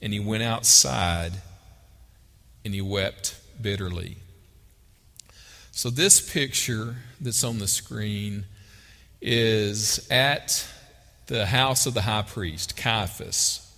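A man with a Texas accent preaches a sermon, reading scripture aloud and discussing it conversationally while asking his listeners questions. His voice is on the low side and sharp in tone, slow, with long pauses, and a long hall reverb follows it.

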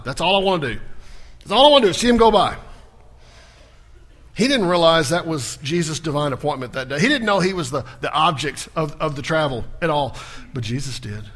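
Fervent man preaching a sermon. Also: on the high side. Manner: builds to loud emphatic peaks, then drops quiet in prayer. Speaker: pastor. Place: church sanctuary.

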